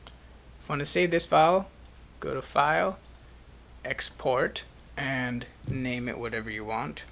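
A man's voice: mid-range voice, fairly even intonation, measured pace, creaky, a bit bright, a little hiss or hum. A man presenting an instructional screencast, explaining the steps as a tutorial narrator.

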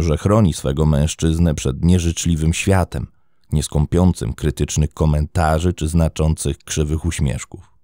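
A man with a very low, dark voice narrates a scripted true-crime story. His delivery is dramatic, with wide pitch swings. He is close on a studio mic, and the room sound is dry. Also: no echo.

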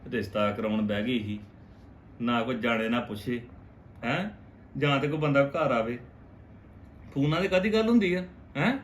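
A man playing a gruff scolding husband, echoey. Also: mid-range voice, normal speed, pauses often, slight background noise, close to an everyday voice. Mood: grumbling. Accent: Indian Punjabi. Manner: scolding, blunt. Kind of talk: village family drama acting. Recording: echoey room.

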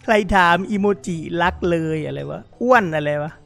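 Excitable high-pitched man commenting on a game. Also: normal speed, vocal fry, soft background music. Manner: excitable, reads chat aloud, often laughs. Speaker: gaming YouTuber.

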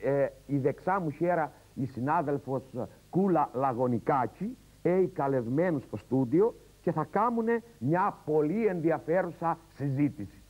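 A man's voice: fairly high pitch, animated, few pauses, darkish tone, low-quality recording. A man with a Cretan accent delivering a mock-serious, sarcastic comic monologue as host.

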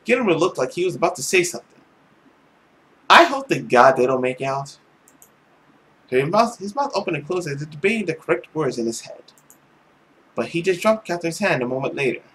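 A man's voice: fairly high pitch, animated, quick pace. A young man reading a visual novel aloud as a let's play host, reacting in a playful, exclamatory way. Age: young adult.

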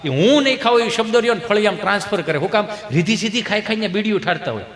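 A man performing live comic storytelling on stage, animated and slipping into squeaky voices for the people in his jokes. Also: very fast. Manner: animated, acts out quoted voices with high falsetto squeals. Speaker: stand-up comedian. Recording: echoey hall with faint crowd ambience.

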